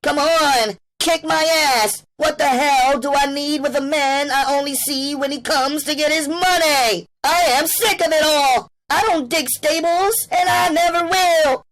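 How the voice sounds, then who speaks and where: A man voicing a young, angry and defiant woman prostitute in a falsetto. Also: animated, moderate pace, poor audio.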